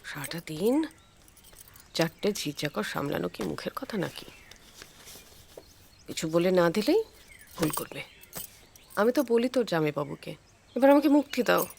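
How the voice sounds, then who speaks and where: A woman's voice: lowish voice, expressive, a little slow, vocal fry, long pauses, a little mellow, slight background noise. An actress playing a well-off elder sister who orders her maid about and complains. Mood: bossy. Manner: bossy, chatty. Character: bossy, complaining well-off housewife.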